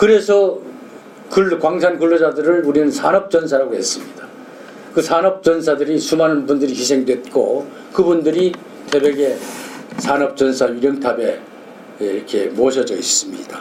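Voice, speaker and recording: A man with a fairly high pitch and lively intonation talks at a moderate pace, leaving long, frequent pauses, over noticeable background noise. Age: 60s. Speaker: politician, former provincial governor. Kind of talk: press conference statement.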